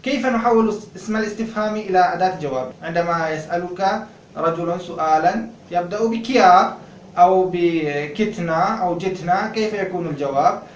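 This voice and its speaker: Guy teaching a language class, drilling words over and over, mic kinda far off. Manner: repeats words slowly, raising pitch on the drilled words. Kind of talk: language lesson, drilling word pairs. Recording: roomy, distant mic, faint noise.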